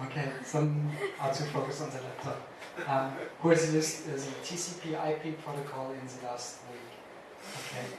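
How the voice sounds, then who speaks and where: A man with a fairly high-pitched, monotone voice speaks at a moderate pace with long, frequent pauses and big swings in loudness, over noticeable background noise and audible room echo. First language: German. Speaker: conference speaker. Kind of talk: technical talk to audience. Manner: halting.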